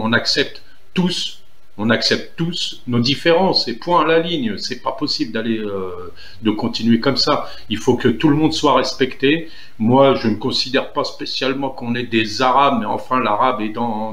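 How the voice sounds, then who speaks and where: A man's voice: mid-range voice, normal speed, a bit bright, echoey room. A man from Algeria speaking in a casual, earnest monologue, hesitant with many fillers and restarts. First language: Algerian Arabic (Derja). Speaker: political commentator.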